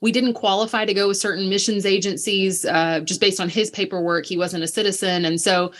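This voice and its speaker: A woman's voice: mid-range voice, steady tone, fairly quick, a bit bright. A woman in her thirties from Alabama, a missionary guest telling her family's story in earnest, detailed conversation. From Alabama, USA.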